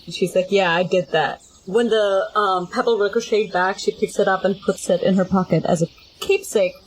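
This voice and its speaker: A woman's voice: mid-range voice, steady tone, moderate pace, rough recording. Woman player, casual, faint background noise. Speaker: tabletop game player. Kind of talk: casual in-game narration and chat.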